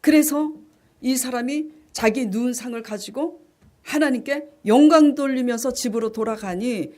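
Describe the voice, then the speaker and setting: Woman pastor preaching, calling out questions. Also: fairly high pitch. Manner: asks the congregation questions and answers them; reads scripture aloud in a hushed, slower voice. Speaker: senior pastor. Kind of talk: sermon.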